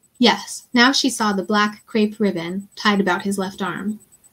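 A woman's somewhat breathy, fairly high-pitched voice over a quiet background. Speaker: author and event host; event host. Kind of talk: virtual event hosting. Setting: video call livestream. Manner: enthusiastic. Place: home room. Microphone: video call.

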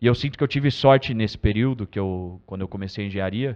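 A man at a fairly quick pace with ordinary pitch variation, against a quiet background. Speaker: basketball assistant coach. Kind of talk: casual interview chat. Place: studio.

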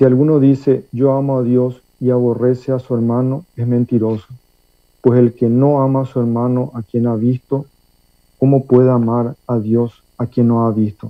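In a monotone, flat intonation, a man talks at a moderate pace. The background is quiet. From Paraguay. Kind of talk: religious testimony in an online meeting. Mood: earnest, emotional. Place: home room. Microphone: earbuds.

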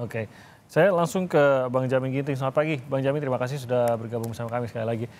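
A man at a very fast pace with ordinary pitch variation. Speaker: TV news anchor. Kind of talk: TV news interview. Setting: studio. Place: studio. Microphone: lapel.

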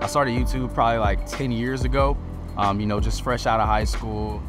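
A man with a very deep, low pitch talks at a very fast pace in a dry sound with no echo. Clear music plays in the background. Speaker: interviewee. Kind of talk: interview answer. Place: street.

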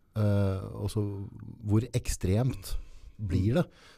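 A man's fairly low, dark, mellow voice at a very slow pace. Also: quiet background. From Eastern Norway, Brumunddal; Eastern Norway. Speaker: podcast host. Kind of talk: casual chat. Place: studio. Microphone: studio mic.

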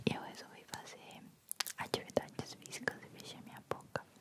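A soft-spoken woman whispering at a fairly slow pace, dry with no echo, over loud background noise. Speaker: ASMR creator. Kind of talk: personal story chat, soft-spoken. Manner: soft close-mic whisper. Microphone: studio mic.

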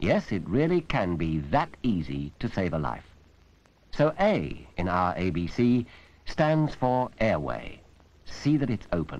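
A man's fairly low voice in a British accent, with very wide pitch swings and a very slow pace. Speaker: narrator of a training film. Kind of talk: scripted narration. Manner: formal.

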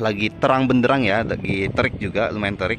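The man's voice sounds dry, with no echo, and light background noise. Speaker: travel vlogger. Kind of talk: casual vlog commentary. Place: station. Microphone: phone near.

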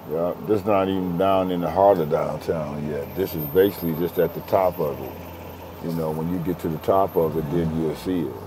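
Over noticeable background noise, a man with a very deep, low pitch talks with fairly even intonation. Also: moderate pace. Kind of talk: casual vlog chat. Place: car. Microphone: phone near.

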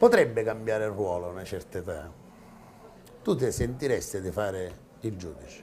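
A man with a fairly low pitch talks at a moderate pace with ordinary pitch variation and a somewhat breathy sound. His loudness swings widely, and he leaves long, frequent pauses. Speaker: TV talk show host and lawyer. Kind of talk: casual interview. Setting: TV studio.

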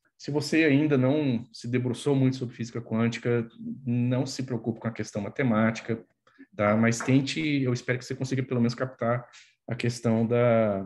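Moderate-paced speech from a man, quiet background behind it. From Goiás, Brazil. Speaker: physics professor and researcher. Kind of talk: lecture. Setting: video call. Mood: reassuring. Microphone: headset.

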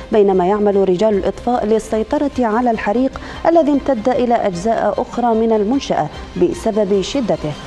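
Faint music plays in the background as a woman speaks. Her pace is moderate and her pitch varies in an ordinary way. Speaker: news presenter. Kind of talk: news reading. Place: studio. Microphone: lapel.

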